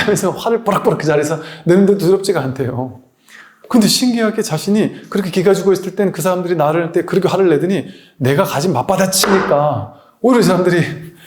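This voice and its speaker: Male Buddhist teacher, a bit high-pitched, relaxed lecture style with anecdotes and rhetorical questions. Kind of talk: dharma lecture.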